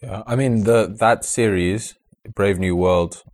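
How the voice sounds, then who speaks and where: A man's voice: fairly low pitch, slow, a little mellow. A man in a casual discussion, speaking earnestly with frequent hesitations and restarts.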